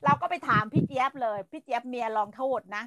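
Speaking fast in a fairly bright, high-leaning voice, a middle-aged Thai livestream host rants bluntly through a casual chat. She swears freely and elongates her polite endings for emphasis, and the audio is poor, with no room sound.

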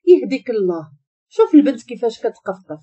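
A woman with a Moroccan accent voicing a kind young man who asks gently after someone. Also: a little high, big pitch swings, quick pace, breathy edge. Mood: concerned. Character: kind, concerned young man helping a friend.

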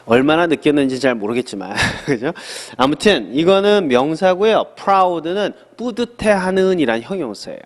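A middle-aged man teaching an English lesson in a studio, lively and chatty, asking questions and answering them himself. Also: fairly high pitch, normal speed, few pauses, long reverb tail. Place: small studio.

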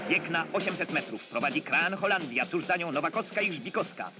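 A man narrating a 1960s newsreel sports report, announcing results and times in crisp, clipped phrases. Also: a little high, animated, a little fast. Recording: old newsreel soundtrack with loud music underneath.

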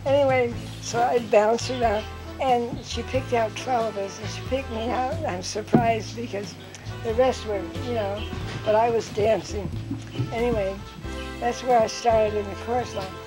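An older woman recounting memories from her life in an interview, telling stories lively and acting out what people said. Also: fairly high pitch, moderate pace, music in the background, low-quality recording. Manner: lively storyteller who acts out quotes with laughs.

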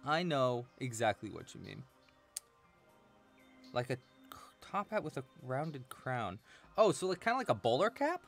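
A chatty young man leads a live crochet lesson from home, his voice rising and falling in an animated way. He jokes and answers chat as he works at a desk mic. Soft music plays quietly behind him. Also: mid-range voice, a little slow, gravelly, long pauses. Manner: chatty, playful, laughs often, reads chat aloud. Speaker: crochet teacher. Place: small room at home, indoors.

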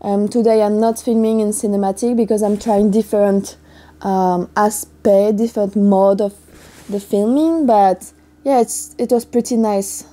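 Woman, French accent, native French speaker, hoarse morning voice, warm tone, casual chatty vlog. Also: medium pitch, fairly even intonation, measured pace. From France. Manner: chatty, upbeat, loose non-native phrasing. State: hoarse from just waking up. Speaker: athlete vlogger.

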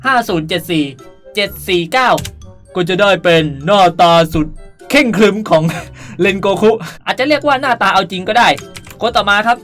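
A woman's voice: mid-range voice, lively intonation, moderate pace. A woman hosting a casual game tutorial in a playful, chatty way with cutesy sentence endings. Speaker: gaming video host. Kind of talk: casual game tutorial commentary, reading out item codes. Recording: music under the voice. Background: background music.

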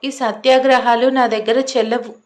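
A woman reads a stubborn, arrogant young man in a storybook romance, clipped and commanding, giving orders and refusing to bend. The voice stays fairly high for a man and keeps his bossy manner throughout. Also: level tone, normal speed, darkish tone, lightly acted. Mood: stern, bossy. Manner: curt and commanding.

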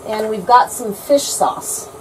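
A woman in her forties shows how to cook a dish in a motor home kitchen, explaining each step in plain words. Her voice sits a little high, picked up from across the small room by the camera with a faint hiss. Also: slow pace. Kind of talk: casual cooking demo. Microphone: camera mic from across the room.

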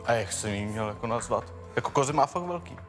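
A man's voice: mid-range voice, animated, in a large hall, music in the background, close to an everyday voice. An actor playing a brash, crude male hairdresser testifying as a witness in a TV courtroom show. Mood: cocky. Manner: crude, cocky, laughs at his own remarks.

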